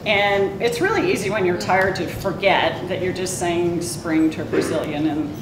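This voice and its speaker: A woman's voice: lowish voice, normal speed. A woman on a business panel, speaking chattily with frequent ums and easy laughter. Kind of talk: panel discussion. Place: university seminar room. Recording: roomy echo, distant, background hum.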